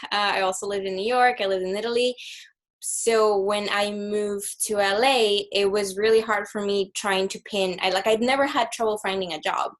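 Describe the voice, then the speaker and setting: A woman's voice: medium pitch, steady tone, moderate pace. Woman panelist from Mexico, hesitant, lots of fillers, video call. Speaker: panelist, program graduate. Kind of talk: casual chat on a video call.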